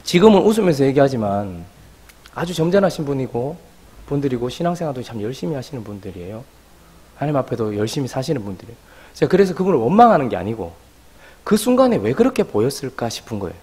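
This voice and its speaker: A man's voice: mid-range voice, fast talker, husky. A man preaching a sermon as pastor, telling a story and acting out the voices of people in it. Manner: animated, acts out quoted voices.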